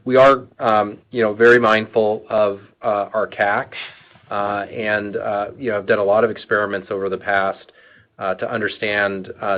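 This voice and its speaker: A man answering questions as a finance executive on an earnings call, speaking in a halting, measured way. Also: lowish voice. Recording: dull, lo-fi conference phone line.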